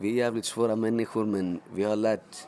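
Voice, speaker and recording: At a moderate pace, a man with a fairly low pitch talks in an ordinary speaking voice. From Sweden, Vårberg in southern Stockholm; born in Chile. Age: 30s. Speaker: rapper and musician. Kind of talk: casual interview chat.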